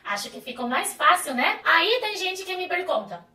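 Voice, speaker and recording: A woman whose first language is Chinese teaching Chinese in a video lesson in Portuguese, in a lively, encouraging, explanatory way. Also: very high voice, normal speed. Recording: roomy echo, voice a bit far from the mic.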